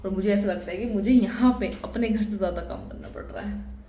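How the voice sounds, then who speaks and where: A young woman from India chatting casually to her viewers as a vlogger, talkative and quick to laugh, filming on a phone around her family home. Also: medium pitch, mellow, a little hiss or hum. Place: family home, indoors and outdoors.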